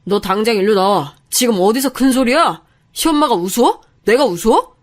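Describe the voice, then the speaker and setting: A woman voicing an angry young husband who shouts accusations at his wife. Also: a little high, lively intonation, normal speed. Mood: angry shouting. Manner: yelling, accusatory.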